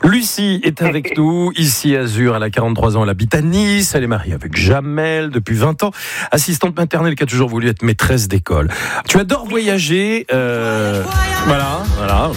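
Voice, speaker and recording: A man's voice: medium pitch, a little fast, no room sound, faint music behind. A man co-hosting a radio quiz game, bantering with contestants and exclaiming often. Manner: animated, exclamatory.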